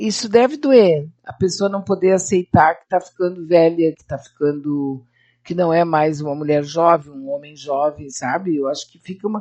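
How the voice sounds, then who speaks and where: This woman has a fairly low pitch and a dark, mellow tone, with ordinary pitch variation. She talks at a moderate pace with hardly any pauses and big swings in loudness. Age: 80s+. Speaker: radio host. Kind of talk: casual chat.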